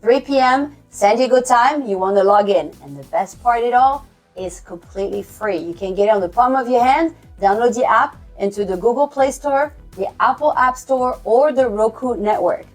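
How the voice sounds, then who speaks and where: A woman with a fairly high voice reads a hyped, salesy sports promo. Faint music plays underneath. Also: lively intonation, moderate pace. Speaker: promo announcer. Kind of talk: read promotional voice-over.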